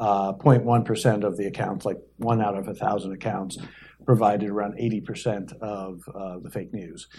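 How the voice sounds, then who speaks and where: Fairly low in pitch, a man speaks in a dark, mellow tone. His intonation is monotone and flat. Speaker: professor panelist. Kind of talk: panel discussion.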